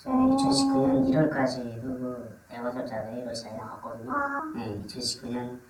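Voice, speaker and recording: A guest from Korea, voice disguised by being pitched down, giving measured, matter-of-fact interview answers. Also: big pitch swings, creaky, darkish tone, reverberant, distant mic, slight background noise. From North Korea.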